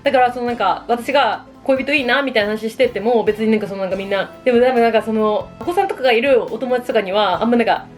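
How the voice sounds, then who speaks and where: Female, 30s, quick and high-pitched, giggly confessional vlogger talking over a meal. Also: soft background music. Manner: self-deprecating, giggly, acts out imagined remarks. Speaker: solo vlogger. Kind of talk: casual confessional chat, reacting to relatable dating woes.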